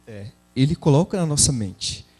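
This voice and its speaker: A man's voice: mid-range voice, animated, normal speed, warm tone, slightly rough. A man co-hosting a Christian television program, speaking earnestly and exhorting listeners to forgive. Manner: earnest, exhorting, uses examples from family life. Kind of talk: religious talk show discussion.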